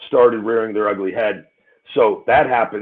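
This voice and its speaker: Here is a man with an unremarkable speaking voice. His pitch is medium, with ordinary pitch variation. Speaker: former pro wrestler. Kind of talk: shoot interview, recounting his WWE release. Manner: intense, agitated, blunt.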